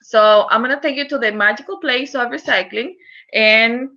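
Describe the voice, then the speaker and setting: In a lo-fi recording, a woman with a Costa Rican Spanish accent presents online about recycling, earnest and heavy on fillers. She's a recycling educator from Costa Rica, and her fairly high voice moves at a normal speed with a sharp edge.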